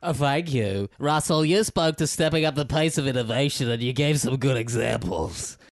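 A man's voice: mid-range voice, normal speed, background noise, natural voice. A man playing a financial analyst asking a question in a theatrical earnings-call reenactment. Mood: inquiring.

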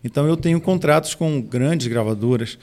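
A pastor and music arranger in his forties chats in a casual podcast, speaking with a medium-pitched, somewhat dark voice at a normal speed. He sounds hesitant, repeating words often and restarting them.

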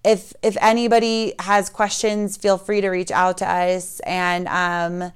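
A woman with a slightly hoarse voice, hosting a casual, informal podcast chat. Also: on the low side, little pitch movement, measured pace. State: slightly hoarse from screaming and talking. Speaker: podcast host.

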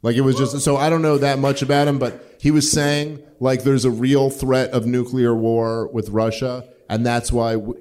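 A man's voice: medium pitch, a little mellow. A man around forty, a podcast host answering audience questions in a rambling, profane way with lots of filler words. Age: 40s. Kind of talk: casual live Q&A talk.

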